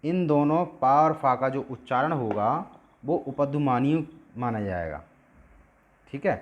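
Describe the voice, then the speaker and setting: A male teacher giving an explanatory lesson at a board. He asks questions and answers them himself, and sounds out each letter slowly to demonstrate. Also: medium pitch, expressive, muffled recording.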